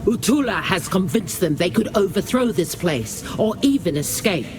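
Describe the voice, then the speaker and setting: An actor playing a solemn, reverent tribal herald, formal and ceremonial, in a fantasy video game. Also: male voice, high voice, animated, normal speed, over music. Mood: grave.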